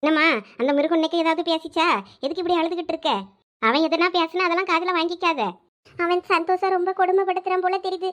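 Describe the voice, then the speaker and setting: A woman's voice: very high voice, little pitch movement, quick pace. A woman voicing a kindly older female house servant who speaks in a soothing, protective way. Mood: caring. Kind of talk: audio drama acting.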